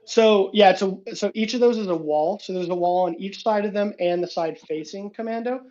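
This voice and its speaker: A man's voice: sits high, normal speed, darkish tone, muffled recording. A young man running a tabletop game as dungeon master, narrating loosely and chatting about rules.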